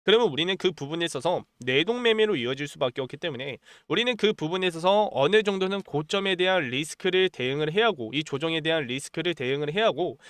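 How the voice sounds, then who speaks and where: A man's voice: on the high side, fairly bright tone, smooth, no room sound. A male stock market commentator with a cold, his voice a bit strained, pushing urgent buy-and-sell calls in a repetitive promotional monologue. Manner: pushy, repeats "자" as a filler, urgent promotional tone. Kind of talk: stock analysis monologue with sales pitch.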